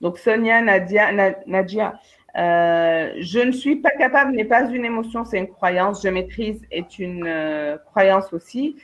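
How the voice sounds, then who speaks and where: A woman, a career coach and trainer giving a lively webinar talk, speaking straight to her participants and acting out her examples. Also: mid-range voice, unhurried. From Algeria. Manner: lively, addresses participants directly, acts out examples. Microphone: video call. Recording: dull lo-fi online webinar audio.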